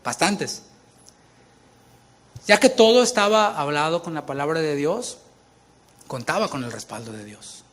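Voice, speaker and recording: Emphatic higher-voiced pastor. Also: male voice, animated, measured pace, long pauses, fairly bright tone. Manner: emphatic preaching with casual conversational asides. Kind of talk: sermon.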